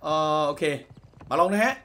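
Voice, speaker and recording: A man casually commentating his own gameplay, excitedly explaining the on-screen dialogue as he plays. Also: normal speed. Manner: excitable, translates and explains game dialogue aloud. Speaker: gamer commentating a let's play.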